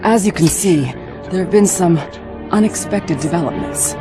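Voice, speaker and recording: Polite female assistant, an actress, brisk and formal, a bit low. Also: over music, natural voice. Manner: formal, deferential. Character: polite female government aide. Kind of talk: video game cutscene acting.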